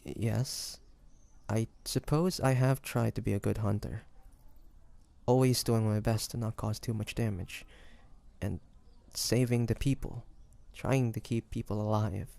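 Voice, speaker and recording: A man playing an earnest, guilt-ridden demon hunter in an audio roleplay, speaking gently and haltingly to the listener. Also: on the low side, fairly even intonation, gravelly. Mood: reflective, remorseful. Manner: hesitant, halting, soft-hearted delivery with pauses. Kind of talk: dramatic audio roleplay acting addressed to the listener.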